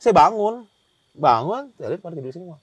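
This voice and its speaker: A man's voice: a little high, sing-song, brisk, slightly rough, no room sound. A man telling a guest story in a rambling way, with many restarts and acted-out quotes. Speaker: hiker telling his experience as a guest. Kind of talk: casual storytelling interview.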